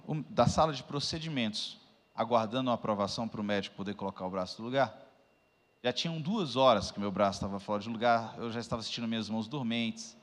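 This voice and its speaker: A man in his thirties, a pastor telling a personal testimony in a sermon, swinging from hushed reflection to loud outbursts. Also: medium pitch. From Brazil. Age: 30s. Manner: emotional storytelling, swings from hushed to shouting. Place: church hall. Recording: long church hall reverb.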